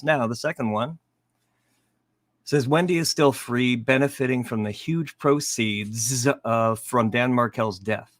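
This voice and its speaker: A man's voice: medium pitch, no room sound. A man co-hosting a true crime live show, reading out viewer comments and commenting casually.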